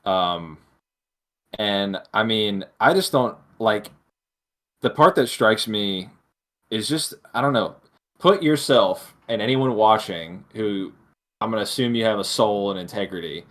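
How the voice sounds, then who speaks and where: Male podcast co-host, slightly low pitch, casual opinionated talk. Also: fairly bright tone.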